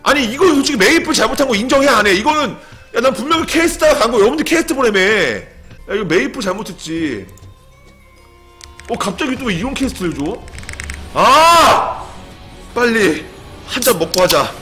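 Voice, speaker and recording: A high, bright young man's voice that leaps all over the place as he narrates his game, dropping to mutters and then bursting into shouts and swearing. Soft music plays under him. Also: a little fast. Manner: excitable, swings from muttering to sudden yelling and swearing. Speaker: game streamer. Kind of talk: live game commentary.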